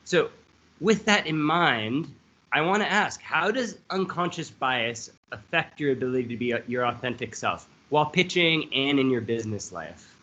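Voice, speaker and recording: A man's voice: medium pitch, animated, normal speed, sharp tone. A man moderating a panel in an enthusiastic, conversational way, often checking in with "right?"; English is his second language. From Lebanese immigrant family. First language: not English. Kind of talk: casual panel discussion. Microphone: video call. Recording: muffled lo-fi video call audio.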